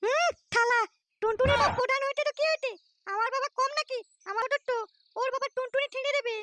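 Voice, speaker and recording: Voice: very high-pitched, steady tone, fast, noisy background. An actor voicing a cheeky, boastful, foul-mouthed little boy with childish lisping pronunciation in a comedy cartoon. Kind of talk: comic cartoon dialogue.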